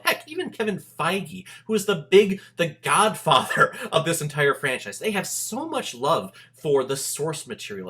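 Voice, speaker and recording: A man's voice: a little high, pushed and bright. A man hosting a casual movie review, talking straight to viewers in an emphatic, conversational, joking way.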